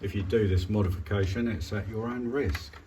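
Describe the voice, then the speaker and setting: A man's voice: fairly low pitch, fairly quick, warm tone. A man giving a casual, hesitant, understated commentary as he does a hands-on repair, thinking aloud. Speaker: hobbyist presenting a radio repair. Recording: clearly noisy home recording with clicks.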